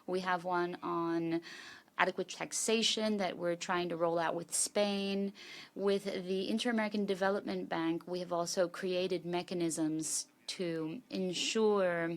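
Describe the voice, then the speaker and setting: A woman working as a simultaneous interpreter, rendering a panelist's speech in a steady, formal first-person delivery. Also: lowish voice, measured pace.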